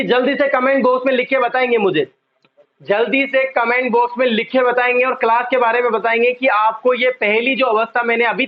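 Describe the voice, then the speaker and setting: High-voiced man teaching exam prep. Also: highs cut off. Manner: repeats key terms, quizzes the class often; drawn-out emphasis on key words. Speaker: psychology teacher. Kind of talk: online exam-prep lecture.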